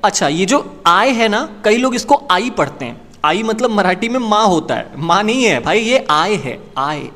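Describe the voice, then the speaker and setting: A man's voice: high-pitched, very animated, moderate pace, hardly any pauses, bright, forceful tone. A man teaching a beginners' lesson in a chatty classroom manner, often asking the listener rhetorical questions. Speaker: English teacher. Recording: long reverb, echoey room.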